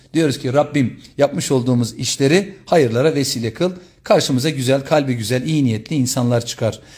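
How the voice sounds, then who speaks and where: Speaking at a moderate pace with hardly any pauses, a man has a somewhat breathy voice and ordinary pitch variation. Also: medium pitch for a man. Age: 50s. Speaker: educator and self-help author; educator. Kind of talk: religious motivational talk on a live stream. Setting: live stream. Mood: warm, earnest, encouraging. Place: home room. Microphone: phone near.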